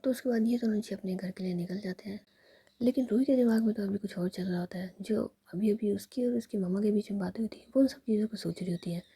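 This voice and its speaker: A young woman narrates a romance in a soft, intimate whisper. Her voice is very breathy and husky, deep and mellow, with a gravelly creak. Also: quick pace. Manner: soft, intimate, retelling in present tense. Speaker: storyteller.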